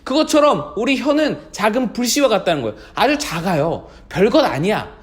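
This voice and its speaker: A man's voice: high voice, normal speed. A man who is a children's pastor gives a sermon, talking straight to the kids and asking them questions. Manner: animated, speaks directly to children with questions.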